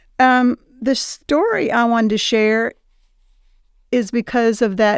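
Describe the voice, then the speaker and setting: A woman with a Tennessee accent at a very slow pace, dry and close with no echo, in a very clean recording over a silent background. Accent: US Southern (Tennessee). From Tennessee, Tullahoma. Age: 70s. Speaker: church member, house cleaner and caregiver. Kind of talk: personal faith testimony.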